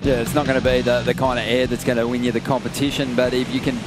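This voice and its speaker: A man leading surf contest commentary in a steady play-by-play way. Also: mid-range voice, fast talker, loud music behind the voice. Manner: steady play-by-play, leads the broadcast. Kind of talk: sports commentary.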